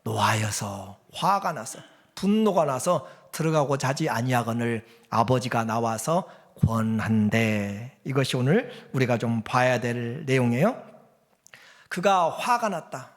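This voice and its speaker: A man's voice: medium pitch, lively intonation, unhurried, big-room sound. A male pastor giving a sermon in a conversational way, asking the congregation rhetorical questions. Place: church sanctuary.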